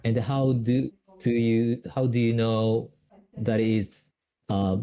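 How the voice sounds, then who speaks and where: A man's voice: medium pitch, steady tone, slow pace, lo-fi sound. A Japanese man speaking English with a Japanese accent, explaining grammar on a call, hesitant with many fillers and restarts. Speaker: Japanese tutor.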